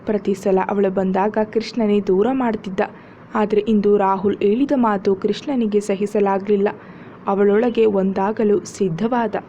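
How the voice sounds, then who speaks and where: A woman narrating a serialized romance story in a steady, dramatic storytelling manner, on a dull lo-fi recording with faint hiss. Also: medium pitch, unhurried.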